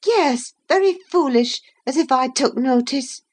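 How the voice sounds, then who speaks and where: A woman's voice: high-pitched, lively intonation, a little slow, a little mellow, pitched above the performer's own voice. A woman reading aloud who voices a petulant young woman, making her complaining and raised well above her own voice. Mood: peevish. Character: petulant, peevish young woman, quick to irritation.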